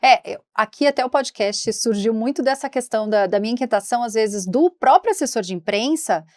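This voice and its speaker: A woman hosting a podcast, a press officer talking in a chatty, expressive way. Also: fairly high pitch, brisk, dry recording. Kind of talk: casual interview talk.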